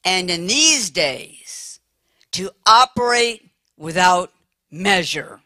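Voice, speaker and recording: An older American woman preaching a lively sermon with humor, talking in a big, animated, playful voice. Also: lowish voice, slow pace, dry recording, clean studio sound.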